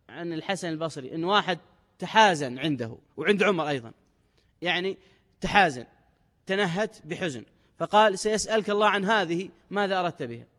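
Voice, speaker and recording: A man's voice: high voice, a bit bright. A man giving a religious lesson, reading old texts with raised emphasis and explaining them in dialect. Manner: reads quotes in formal Arabic with raised emphasis, then explains in dialect. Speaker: religious teacher. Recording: long hall reverb.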